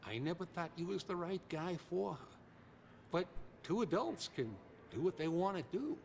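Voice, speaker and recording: Folksy, lively kindly working-class older man. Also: high voice, moderate pace, vocal fry, distant mic, slight background noise. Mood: concerned. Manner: folksy, ungrammatical, hesitant speech. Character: kindly older working-class male friend, plainspoken and sentimental. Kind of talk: video game dialogue acting.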